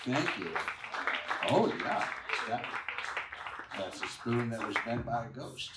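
A man hosting a live comedy talk show, introducing guests and dropping playful, absurd deadpan asides. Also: mid-range voice, slow pace, far from the mic, a loud crowd, heavy background noise. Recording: echoey room with loud music.

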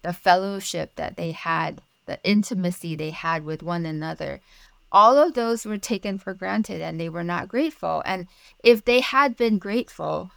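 A woman's voice: on the low side, normal speed, creaky, no room sound. A woman in her forties, originally from Malaysia with Mandarin as her first language, speaking earnestly as a podcast guest. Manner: earnest and reflective, with light laughs. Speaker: podcast guest, Bible study writer. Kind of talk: casual interview conversation.

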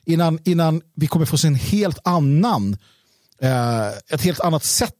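A man hosting a casual political discussion, talking in a halting way with many restarts and repeated words. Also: on the high side, expressive, a little mellow, dry recording, clean studio sound. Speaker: host.

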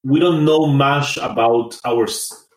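A man's voice: medium pitch, slow, roomy sound, poor audio. A man from Rapa Nui who works on indigenous policy, speaking thoughtfully in a conversational interview with many hesitations. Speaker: indigenous policy council member.

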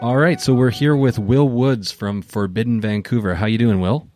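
A man co-hosting a podcast, introducing a guest in a casual, halting way. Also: medium pitch, a little mellow, no echo, soft background music. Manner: hesitant, with many ums and restarts. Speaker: podcast co-host.

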